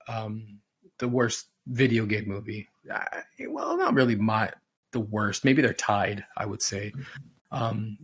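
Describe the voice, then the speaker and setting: A podcast host chats in a casual, rambling way, emphatic and exasperated, repeating himself to drive points home. His voice is medium-pitched and husky, on an audio-only podcast recording.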